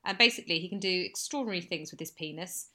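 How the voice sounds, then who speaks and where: An English woman co-hosts a casual chat show, telling stories fast and with lively animation, breaking into sudden high bursts.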